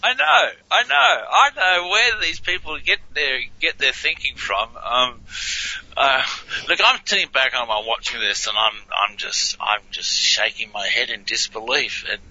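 Male radio guest: bright, husky voice, talks chattily and exclaims often, muffled lo-fi audio. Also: medium pitch, expressive, unhurried. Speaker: guest, researcher of reversed speech. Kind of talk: radio interview.

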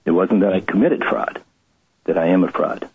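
Low, husky man telling a confession. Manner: earnest, halting confessional storytelling. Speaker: guest. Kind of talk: personal testimony interview. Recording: tinny phone-line radio audio.

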